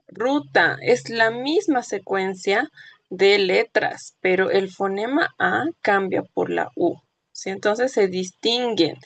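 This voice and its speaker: A woman's voice: mid-range voice, vocal fry, no room sound. A woman teacher giving a classroom lecture, explaining patiently and checking often that her students follow. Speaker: language teacher.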